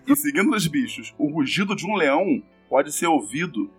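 A man's voice: fairly high pitch, big pitch swings, moderate pace, breathy edge, faint music behind. A man with a Brazilian accent chatting casually and playfully sharing trivia as a podcast panelist. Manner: playful, jokey, slangy. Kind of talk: casual chat, trivia telling.

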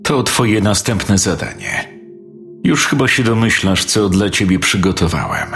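A man's voice: on the low side, animated, unhurried, a bit bright, soft background music. A man voicing a cruel, commanding male gang leader with a cold, threatening delivery. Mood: menacing.

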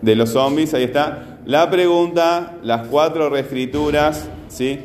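A man's voice: fairly high pitch, unhurried. Patient male teacher in an echoey classroom. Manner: patient, repeats phrases, fillers like "este". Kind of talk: classroom grammar lesson.

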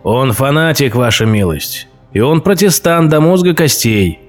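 Give me a man doing a flattering, sly royal adviser who chooses each word with care. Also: medium pitch, faint music behind, natural voice. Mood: insinuating. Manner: measured, deferential speech full of careful insinuation. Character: scheming male royal courtier, cautious and flattering. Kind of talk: audio drama acting.

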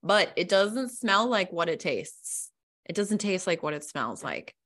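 Woman, slightly low voice, animated rambling chat, podcast co-host. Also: measured pace. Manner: animated, rambling descriptions with laughs. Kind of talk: casual chat.

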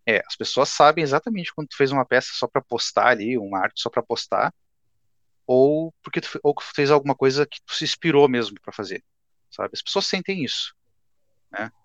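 A man's voice: medium pitch, animated, a little fast, fairly bright tone, no echo. A man in his twenties, a guest artist, chatting casually and laid-back on a podcast. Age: 20s. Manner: laid-back, says "cara" often.

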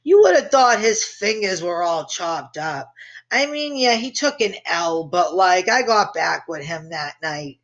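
A woman's voice: fairly low pitch, lively intonation, measured pace, fairly bright tone, lo-fi sound. A woman hosting a podcast, telling a family story in a brash, profane way and laughing at her own jokes. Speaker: podcast host. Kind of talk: casual storytelling.

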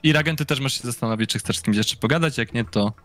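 A man narrating a tabletop session as game master. He speaks at a middling pitch, casual and chatty, with fillers and little laughs that keep it relaxed. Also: quick pace, soft background music. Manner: casual, fillers and chuckles, says "listen" often.

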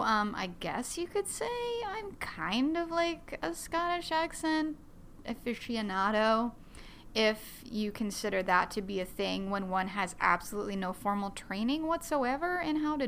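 A woman's voice: a little high, a bit bright, slight background noise. A woman hosting a solo podcast, chatting in a bubbly, self-deprecating way and rambling with many fillers. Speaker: podcast host.

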